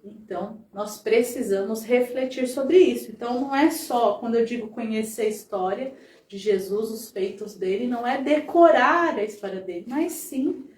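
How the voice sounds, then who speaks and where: Mineira lady chatting through a study talk, highish voice, keeps asking the room if they follow, sounds a bit far off. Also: moderate pace, darkish tone. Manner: chatty, constant tag questions to the audience. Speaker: lecturer at a spiritist center. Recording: roomy sound, voice from off the mic.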